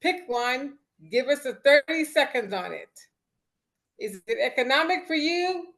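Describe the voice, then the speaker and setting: High-voiced woman posing questions. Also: expressive, measured pace, a bit bright. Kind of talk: asking discussion questions. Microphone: video call.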